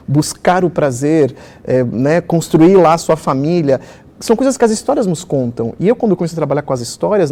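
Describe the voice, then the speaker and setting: Born in Israel, this middle-aged man is a children's author recounting his own stories, animated and chatty as in an interview, with lots of fillers. His voice sits high.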